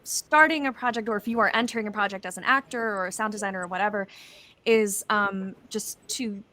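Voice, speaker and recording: A woman with a voice of average pitch. She chats on a panel in an informal, slightly jokey way, talking as if among peers. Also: a little fast, bright, forceful tone. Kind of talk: casual panel chat.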